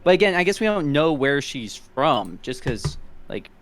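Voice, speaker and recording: A man's voice: on the high side, very animated, moderate pace, a bit bright, clear, resonant tone. A man co-hosting a podcast in casual chat, asking questions and hesitating as he thinks. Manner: inquisitive, hesitant, asks questions. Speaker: podcast co-host.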